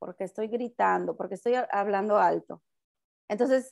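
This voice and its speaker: There is a quiet background as a woman talks, her pitch varying in an ordinary way. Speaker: mother; radio guest. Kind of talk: casual chat. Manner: loud. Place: home room. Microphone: earbuds.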